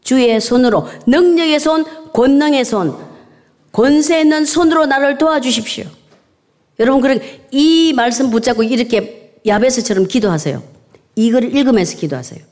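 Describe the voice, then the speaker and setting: Older woman preaching, somewhat high voice. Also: normal speed, a little mellow. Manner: exhortative, repeats key phrases for emphasis. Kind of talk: sermon to a congregation, with scripture reading and amen prompts.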